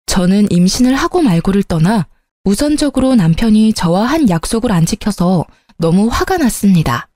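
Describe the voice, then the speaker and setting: A young woman in her twenties tells her own story in an earnest, plaintive way and speaks her own lines of dialogue. Her voice is mellow and soft. It sounds close and dry. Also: medium pitch, sing-song, moderate pace, dry recording. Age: 20s. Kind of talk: first-person story narration with acted dialogue.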